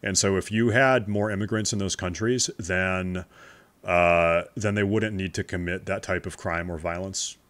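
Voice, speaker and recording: A man's voice: low-pitched, fairly even intonation, moderate pace, fairly bright tone. A man giving sarcastic, mocking commentary while reacting to a video on a stream.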